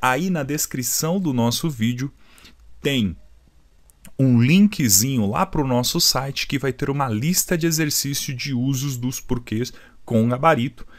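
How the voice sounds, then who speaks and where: A male teacher with a Brazilian Portuguese accent records a video lesson. His voice sits at a middle pitch, and his delivery is explanatory and patient. He repeats the key points and puts questions to the viewer to check understanding. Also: a little slow.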